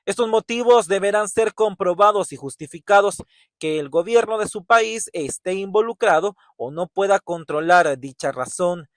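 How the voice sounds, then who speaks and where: Male reporter, bright high register, steady scripted voice-over. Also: normal speed, no echo. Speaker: news reporter.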